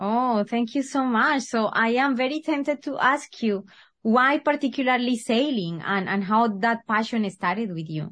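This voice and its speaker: Over a quiet background, a woman with a fairly high pitch uses an ordinary speaking voice at a moderate pace with lively intonation. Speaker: podcast host. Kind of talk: interview, scripted intro then casual chat. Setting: video call.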